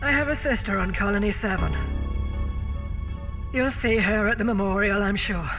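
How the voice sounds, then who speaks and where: A woman playing a resolute, weary, self-sacrificing starship captain in a science-fiction audio drama, with halting, measured delivery. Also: medium pitch, close to an everyday voice. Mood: weary, tender. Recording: loud music bed under the voice. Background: music.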